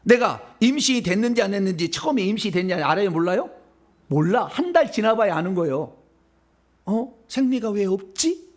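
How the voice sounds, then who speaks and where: A middle-aged pastor from Seoul preaches at a moderate pace in a high, lively voice that swings widely in pitch. He keeps asking the congregation questions and answering them himself, as if holding a conversation from the pulpit.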